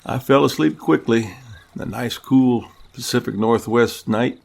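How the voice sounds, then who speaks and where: A man playing a hunter who recounts his trip in measured, scripted first-person narration, with a gravelly voice. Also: medium pitch. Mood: reflective. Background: music.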